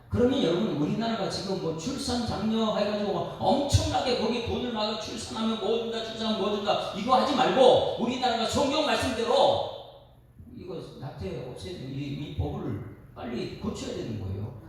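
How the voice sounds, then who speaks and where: A male pastor giving an evening sermon in a church, emphatic and repetitive, full of rhetorical questions. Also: high-pitched. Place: church sanctuary. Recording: echoey sanctuary from far off.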